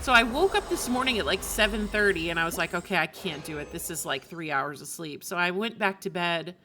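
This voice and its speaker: A woman's voice: fairly low pitch, brisk, bright, forceful tone, slight background noise. A woman livestreamer chatting casually with her viewers while she plays a game.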